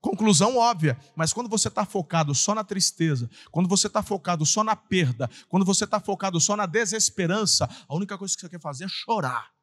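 A Brazilian man preaching a sermon as pastor, animated, acting out voices and breaking into sudden shouts. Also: high-pitched, a little fast, few pauses, long reverb tail. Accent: Brazilian Portuguese.

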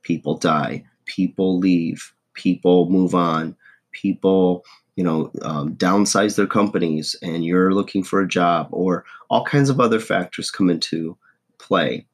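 A hoarse, husky man in his forties giving a casual, folksy motivational monologue as a host. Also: low-pitched, a little slow. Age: 40s. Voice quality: husky, rough. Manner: folksy, self-deprecating, checks in with "okay?" and "right?". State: hoarse voice, throat-clearing. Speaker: host of a motivational video podcast.

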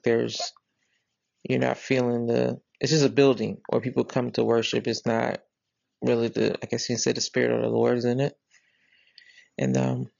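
A woman with a drawl talks casually into a close mic, her voice gravelly and full of vocal fry. She rambles earnestly and often restarts her sentences. The recording is dry and a little dull. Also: extremely low pitch, darkish tone, no room sound. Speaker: podcast host. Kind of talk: casual spoken retelling of a dream.

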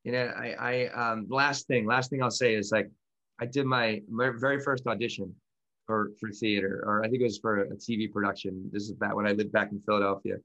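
A man's voice: fairly low pitch, fairly quick, muffled recording. A man co-hosting a podcast and teaching meditation, talking casually with many restarts and frequent laughter. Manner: rambling, animated, laughs often, many restarts. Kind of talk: casual conversational podcast chat.

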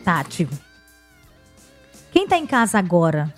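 A woman's voice: on the low side, very animated, slow pace, soft background music. A Brazilian woman hosting a casual radio chat, prompting and asking questions informally. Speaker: radio host.

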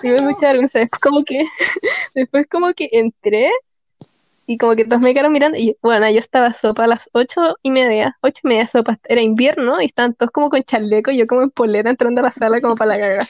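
A woman's voice: fairly high pitch, quick pace, a little mellow, dry recording, lo-fi sound. A young woman from Chile with a Chilean Spanish accent, co-hosting a podcast in casual chat. She rambles and fills her speech with filler words. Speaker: podcast co-host.

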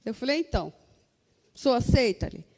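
A woman's voice: fairly high pitch, very animated, fast, creaky, darkish tone, big-room sound. A Brazilian woman giving an earnest testimony to a congregation, calling her listeners brothers. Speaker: church member giving testimony.

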